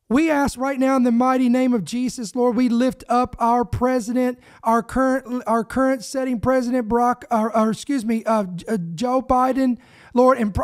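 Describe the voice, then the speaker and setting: A middle-aged man hosting a ministry podcast, preaching and then leading a spoken prayer in a fervent, emphatic way, recorded on a close boom mic in a small home studio. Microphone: boom microphone close to the mouth.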